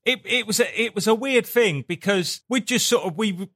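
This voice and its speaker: A man's voice: sits high, a little fast, fairly bright tone. A man with an Essex accent talking casually as an interview guest, sweary, colloquial and rambling. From Essex, England. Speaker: guest, punk band singer.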